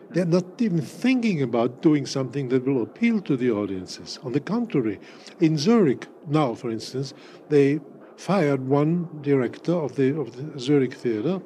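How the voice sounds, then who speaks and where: Eighty-year-old man, German native, wry and unhurried, faint background hiss. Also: medium pitch, dark tone. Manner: measured, wry, with many fillers and restarts. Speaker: interviewee, cabaret artist. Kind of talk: reflective interview answers.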